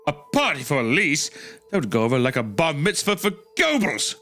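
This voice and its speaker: A pompous gentleman of a grand house , put on by a man, speaks formally and with great self-importance. The words are drawn out in a lively, theatrical comic reading, with music behind. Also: a little high, moderate pace, heavily acted. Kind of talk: comic dramatic reading of a story.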